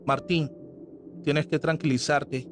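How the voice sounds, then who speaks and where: A man voicing a calm, cunning older man in a horror story, speaking with soothing firmness. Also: a little high, slow, music in the background.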